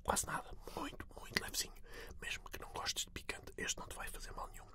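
A man in his forties with a European Portuguese accent, whispering breathily in short, unhurried remarks for an ASMR chip tasting. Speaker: host of an ASMR snack tasting video. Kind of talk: whispered ASMR food review. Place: small indoor setup with black curtain.

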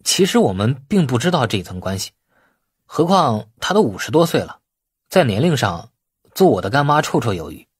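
A man's voice: medium pitch, big pitch swings, normal speed, slightly rough, no room sound, studio quality. A man voicing a shrewd, affable young businessman in an audiobook, polite and a little sheepish.

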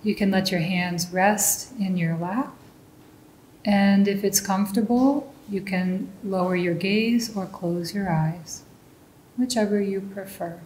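A woman leading a guided meditation as a teacher, giving calm, gentle instructions. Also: slow. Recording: roomy echo, faint low rumbling noise.

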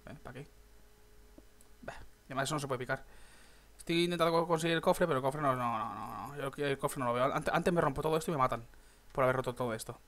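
Excitable young gamer, higher voice. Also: male voice. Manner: chatty, swears, bursts into excited shouts. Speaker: gaming YouTuber. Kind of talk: casual gameplay commentary.

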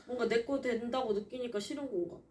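A woman complains on a live stream, sulky and on the edge of crying. Her voice sits a little high. She is slightly distant from the mic. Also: brisk, darkish tone, a little hiss or hum. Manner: sulky, complaining, voice breaking into tears. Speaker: streamer co-host. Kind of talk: casual chat on a live stream.

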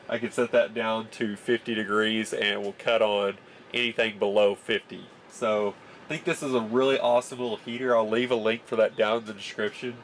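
A man's voice: medium pitch, a little hiss or hum. A young man in his twenties with a stuffy, nasal voice from a cold, chatting enthusiastically as he explains gardening gear in a small greenhouse, recorded on a camera mic. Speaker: gardening channel host. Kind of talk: casual how-to vlog. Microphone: camera mic at close range.

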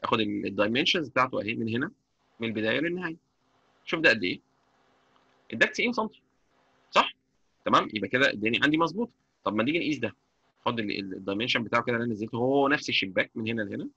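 A fast-talking Egyptian man with an Egyptian Arabic accent teaching software live, his voice gravelly and bright. He keeps stopping to check that his students follow. The dull, lo-fi mic takes some of the edge off. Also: mid-range voice, animated, dry recording. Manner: chatty, checks understanding constantly. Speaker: software instructor. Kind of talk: live online lecture.

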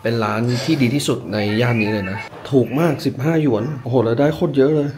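A Thai man talking casually to camera in a travel vlog, chatty and quick to exclaim and laugh, filmed in a small noodle shop and on a road through the mountains. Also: medium pitch, crowd noise, rough recording. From Thailand. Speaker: travel vlogger.

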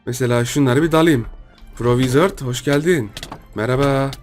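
Young guy doing chatty game commentary, mid pitch, faint music underneath. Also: normal speed. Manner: excitable, talks to himself and viewers, repeats words in bursts. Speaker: gaming YouTuber. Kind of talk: casual gameplay commentary.

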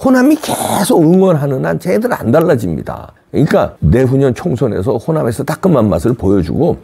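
A man's voice: medium pitch, huge pitch swings, brisk, vocal fry, mellow, slightly rough. A man hosting a political commentary show, talking in an emphatic, scolding way and often acting out the voices of the people he quotes. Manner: insulting, scolding.

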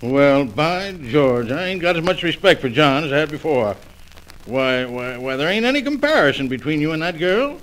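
An actor playing a folksy, good-humored small-town doctor in an old-time radio soap opera, talking in plain colloquial speech. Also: male voice, on the high side, animated, moderate pace, fairly bright tone. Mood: indignant, helpful. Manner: folksy, colloquial, chuckling drawl. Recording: noisy old radio recording.

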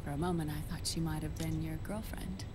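A woman's voice: low voice, steady tone, brisk, lightly acted. Actress as a composed female scientist, vehicle hum. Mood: curious. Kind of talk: video game cutscene acting.

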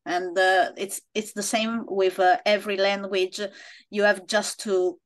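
A woman in her thirties with an Italian accent, hosting a casual interview over a video call from a bedroom at home, with many pauses and fillers. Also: medium pitch, level tone. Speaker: podcast host. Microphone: laptop webcam on video call.

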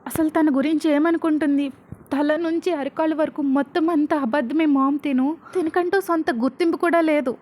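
An enraged, possessive young man who shouts and sneers, read by a woman storyteller. His cutting, scornful words come in a high voice. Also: steady tone, fairly quick, lightly acted. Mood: furious.

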